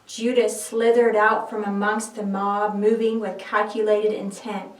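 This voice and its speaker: A woman's voice: medium pitch, little pitch movement, measured pace. A woman reading a scripted, dramatic Bible story in a solemn, theatrical storytelling manner. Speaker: narrator. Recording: echoey room, distant microphone.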